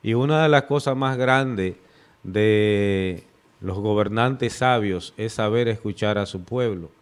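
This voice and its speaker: A man on a TV studio panel, giving measured political commentary into a desk mic. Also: on the low side, smooth. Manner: measured, deliberate, rhetorical. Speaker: panel guest. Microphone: desk microphone.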